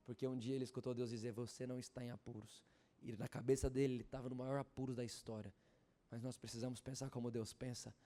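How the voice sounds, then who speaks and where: A pastor with a medium-pitched voice preaches a sermon at a church service. He swings between loud, fervent exhortation and hushed storytelling, and poses questions to the congregation.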